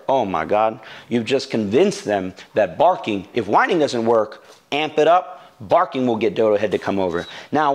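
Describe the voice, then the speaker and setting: A man's voice: medium pitch, slight background noise. Man coaching dog owners on crate training. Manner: direct, coaching tone, repeats key words for emphasis. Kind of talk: instructional video lesson. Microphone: wearing a lapel mic.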